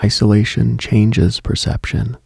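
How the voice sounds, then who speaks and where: Guy doing late night radio, really slow n hushed, gravelly fry, brooding asmr-ish monologue. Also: fairly low pitch, monotone, dry recording. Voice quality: husky, gravelly. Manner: brooding, hushed, deliberate with long pauses.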